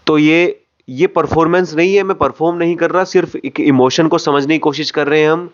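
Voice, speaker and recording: A man's voice: a little high, fairly even intonation, fairly quick. A man coaching acting, explaining step by step to the camera and often repeating and rephrasing his phrases. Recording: dull lo-fi audio.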